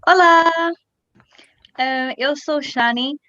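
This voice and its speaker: A woman from England with an English accent, a native English speaker haltingly introducing herself as a language student. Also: sits high, bright, forceful tone, muffled recording. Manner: halting learner's speech. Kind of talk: hesitant self-introduction in a foreign language.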